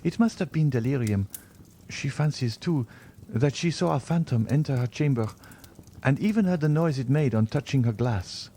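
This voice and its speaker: A man's voice: medium pitch, animated, moderate pace, warm tone, voice pushed up. A man voicing an anxious, tender young woman in an audiobook.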